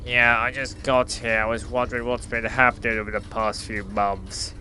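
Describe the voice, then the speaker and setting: A very sharp, bright-voiced male hero, played by an actor in an audio drama, blunt and grumbling. Faint noise sits behind his exasperated delivery. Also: medium pitch, flat delivery, moderate pace. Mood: blunt, questioning. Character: exasperated sweary flying hero, stranger from Earth. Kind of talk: scripted audio drama acting.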